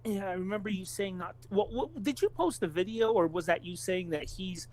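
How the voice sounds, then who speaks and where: High-voiced man in casual podcast chat. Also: moderate pace, a little mellow. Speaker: podcast co-host. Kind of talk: casual, informal conversation.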